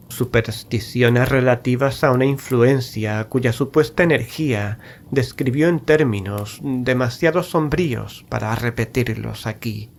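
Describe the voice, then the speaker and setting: A man playing an uneasy, observant gentleman who narrates a gothic horror tale in a measured, solemn way. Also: medium pitch, slight background noise, close to an everyday voice. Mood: grave. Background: music.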